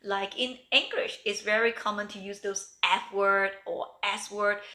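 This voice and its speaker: A woman teaching a bilingual language lesson, speaking slowly and clearly and repeating each example phrase. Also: mid-range voice, steady tone, bright, forceful tone, echoey room.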